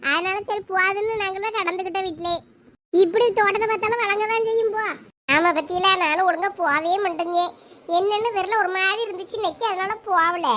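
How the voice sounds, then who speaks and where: A woman voicing gossiping adult women in a cartoon comedy, speaking a with lively banter. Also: very high-pitched, a little hiss or hum.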